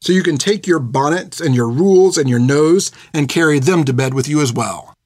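A defiant, sharp-tongued teenage girl, as a male storyteller puts her on in a lifted voice. She snaps back and throws insults without holding back. The sound is dry and close. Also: a little high, expressive, brisk, slightly rough, no room sound, pitched above the performer's own voice. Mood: furious.

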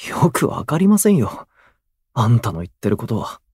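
An actor playing a gloomy, prickly, self-deprecating young station worker in a voice drama, with blunt, grumbling delivery. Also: male voice, mid-range voice, big pitch swings, normal speed, a little mellow, slightly rough, dry recording, clean studio sound, exaggerated voice. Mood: defiant. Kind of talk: Japanese voice drama acting.

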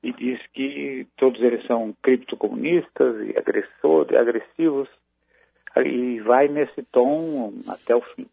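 A Brazilian man analyses military matters over a tinny phone line. His voice is gravelly and dry, and he speaks in a measured, halting way with frequent restarts. It sounds like a phone-in segment on a news program. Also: mid-range voice, no echo. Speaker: commentator on military affairs.

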